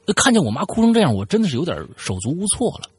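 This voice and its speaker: Husky guy rambling through a ghost story, lots of ups and downs in his voice, gravelly. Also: on the high side, very animated, very fast. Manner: chatty, lots of filler and asides. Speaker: host reading a listener's story. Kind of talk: casual storytelling.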